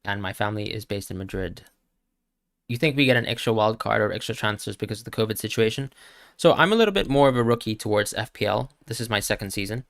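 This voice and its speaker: A man's voice: on the low side, animated, fast, vocal fry, a bit bright, no room sound, clean studio sound. A young man from Hong Kong hosting a casual live-stream Q&A, reading out chat questions and answering with many stammered restarts. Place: home streaming setup with green screen. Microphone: new streaming mic.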